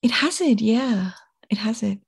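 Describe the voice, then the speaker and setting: A woman co-hosting a music podcast in casual chat, playful and quick to laugh, prone to dramatic exaggeration. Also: fairly high pitch, expressive, gravelly, husky. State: overheated. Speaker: podcast co-host.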